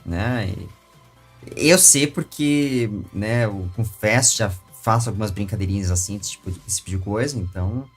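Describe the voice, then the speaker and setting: A man with a Brazilian accent interviewing a guest, commenting at length in halting phrases with emphatic bursts. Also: fairly low pitch, faint music behind.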